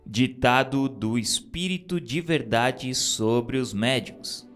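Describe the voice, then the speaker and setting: A man giving a solemn, measured reading of a spiritual text as narrator. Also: faint music behind. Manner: slow, measured, grave delivery with lively pitch swings.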